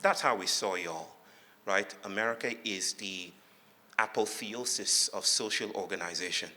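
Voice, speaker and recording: Bright-voiced Nigerian man in an echoey hall. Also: on the low side, moderate pace. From Lagos, Nigeria. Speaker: guest speaker giving a lecture. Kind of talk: public talk, storytelling with humour. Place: large hall before an audience. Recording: echoey hall with long reverb.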